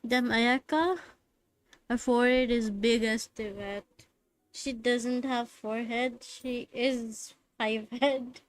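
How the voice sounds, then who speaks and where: High-voiced young woman with South Asian accent. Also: steady tone, takes it slowly. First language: Bengali. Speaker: game livestream host. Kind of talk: casual livestream chat. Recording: faint background noise.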